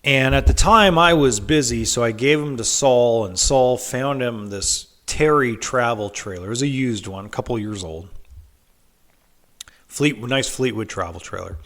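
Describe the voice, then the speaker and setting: A man's voice: mid-range voice, a little slow, fairly bright tone. A man with a head cold hosting a podcast, telling a story in a casual monologue, full of ums and restarts. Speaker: podcast host.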